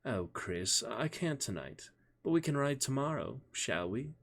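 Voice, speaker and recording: Man voicing an elegant British young woman, lifted pitch. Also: sing-song, measured pace, creaky, heavily acted. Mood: playful, teasing.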